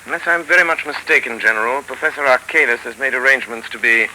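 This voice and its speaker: An actor playing an earnest, urgent young gentleman detective in a 1930s radio drama. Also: medium pitch, fast talker, rough recording. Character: confident young gentleman sleuth. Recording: old radio broadcast, faint hiss.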